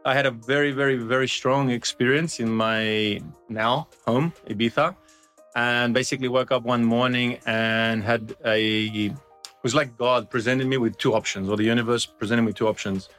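A man's voice: medium pitch, steady tone, moderate pace, fairly bright tone, faint music behind. Man telling his story. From Australia. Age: 40s. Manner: earnest, many restarts and fillers. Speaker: guest, company founder. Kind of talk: casual interview chat.

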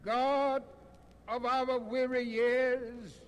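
A man, a minister, giving a solemn benediction prayer in slow, cadenced phrases. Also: very high-pitched, flat delivery, clear, resonant tone. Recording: long echo of an outdoor public address.

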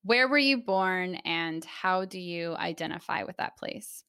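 A woman's voice: lowish voice, expressive, unhurried, gravelly, sharp tone, clean tone, dry recording, studio quality. A woman hosting an interview podcast, reading a polished scripted introduction and then chatting casually with her guest. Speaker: podcast host.

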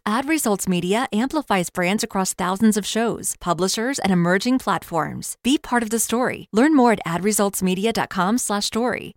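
A woman's voice: medium pitch, dry recording. A woman reading a scripted advertising voice-over into a close studio mic.

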